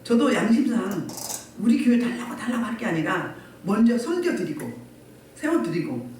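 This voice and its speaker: A woman's voice: on the high side, big pitch swings, moderate pace, darkish tone, a little hiss or hum. A woman pastor preaching a Sunday sermon and pressing the congregation with repeated rhetorical questions. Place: church sanctuary. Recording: echoey room from far off.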